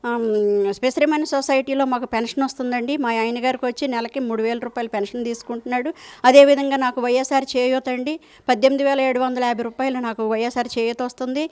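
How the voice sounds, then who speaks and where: A woman's voice: high-pitched, clean tone. An older woman and grandmother interviewed on the street, listing points fluently. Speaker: interviewed voter.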